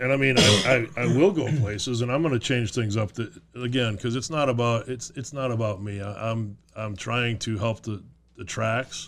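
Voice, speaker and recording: Moderate pace and ordinary pitch variation from a medium-pitched man, with noticeable background noise. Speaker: racing broadcast company owner. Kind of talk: casual chat.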